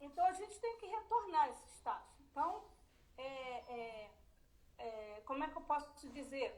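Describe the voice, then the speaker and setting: Speaking fairly slowly, a woman with a high pitch makes very wide pitch swings and big swings in loudness. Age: 60s. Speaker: study group participant. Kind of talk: testimony. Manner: halting, repetitive.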